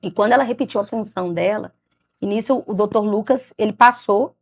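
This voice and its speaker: A woman's voice: medium pitch, fairly quick. A woman with a Brazilian Portuguese accent giving a faith testimony, recounting events animatedly and acting out what others said. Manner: animated, acts out others' lines in quoted speech; repeats "I said" and restarts as she recounts. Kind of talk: emotional storytelling.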